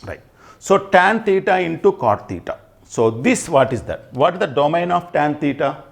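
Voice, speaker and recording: This middle-aged maths teacher, who has a Telugu accent, gives a classroom lesson indoors at a whiteboard, recorded on a lapel mic. His voice is on the high side and creaky, animated at a moderate pace. He emphatically repeats phrases and poses questions to himself.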